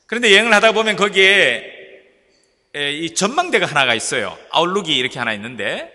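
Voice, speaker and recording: A male pastor preaching a sermon and telling stories that he jokes about with the congregation. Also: on the high side. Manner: animated storytelling preacher, joking with the congregation. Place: church sanctuary. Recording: echoey church hall.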